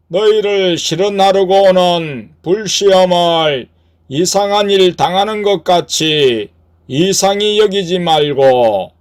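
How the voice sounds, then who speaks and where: A man's voice: high-pitched, pitched above the performer's own voice. A man voicing a solemn, stately Jesus. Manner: stately, measured. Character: solemn commanding male Jesus.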